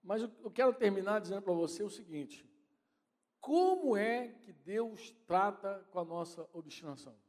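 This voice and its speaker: A pastor with a Brazilian Portuguese accent preaches conversationally in a church hall, often speaking directly to his congregation and his wife. His voice is fairly high, expressive and darkish, at a moderate pace, echoing in the large hall.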